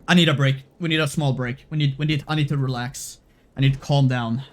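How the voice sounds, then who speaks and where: A man's voice: mid-range voice, steady tone, fairly quick. A man streaming a game live, shaken and stressed, swearing and repeating himself.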